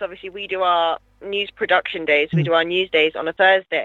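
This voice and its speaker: This woman speaks with a British accent. Her pitch is medium. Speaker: master's student. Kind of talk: casual interview chat. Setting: remote call.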